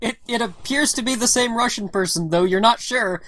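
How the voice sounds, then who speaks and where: A woman's voice: on the high side, brisk, fairly bright tone, no echo. Casual woman running a tabletop game. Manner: casual, laughing, frequent "all right" and "uh". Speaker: game master.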